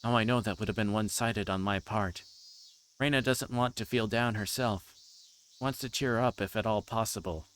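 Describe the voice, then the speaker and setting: A man with a fairly low voice streams a visual novel. He moves between reading the text aloud and informal, halting commentary as he thinks aloud. There is noticeable background noise with chirping insects behind him. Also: steady tone, fairly bright tone.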